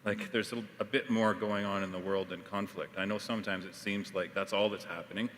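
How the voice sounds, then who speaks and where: A man panelist with a slightly low voice, speaking steadily and filling his pauses with "uh." A long hall reverb and faint noise hang around him. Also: fairly even intonation, fairly bright tone. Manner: measured, with frequent uh fillers. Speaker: panelist, journalism educator. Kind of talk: panel discussion.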